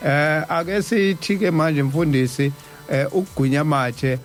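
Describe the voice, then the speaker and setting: Casting: male South African radio host, slightly high voice, casual, stumbling repetitive delivery, music underneath. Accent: South African Zulu-speaking. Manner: halting, stammering over repeated syllables. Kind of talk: casual live radio talk. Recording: music behind the voice.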